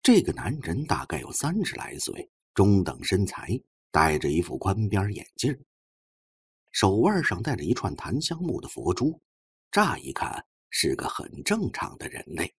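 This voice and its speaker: Male audiobook narrator, lowish pitch, extremely animated, husky, dramatic storytelling. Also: a little slow, dry recording, clean studio sound.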